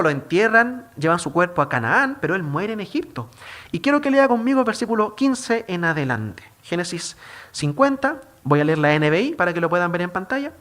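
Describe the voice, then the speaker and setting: A Chilean pastor preaching with a fairly high voice that swings up and down. He stresses his points hard and keeps putting rhetorical questions to the congregation. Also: fairly bright tone. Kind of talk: sermon.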